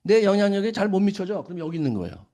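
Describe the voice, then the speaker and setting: Fast, high-voiced man lecturing a crowd. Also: very animated, mellow. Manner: asks the audience questions and answers them himself; acts out quoted scolding lines. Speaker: business seminar speaker. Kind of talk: lecture to an audience.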